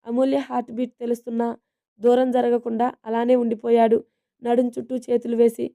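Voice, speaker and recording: Mellow, even-toned woman storyteller. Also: fairly high pitch, brisk. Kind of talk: storybook narration.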